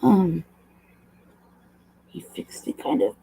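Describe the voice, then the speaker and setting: A woman host with a low, hoarse voice, chatting casually at a desk mic, rambling, laughing often and swearing. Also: slow pace, dark tone, rough recording. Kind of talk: casual livestream talk.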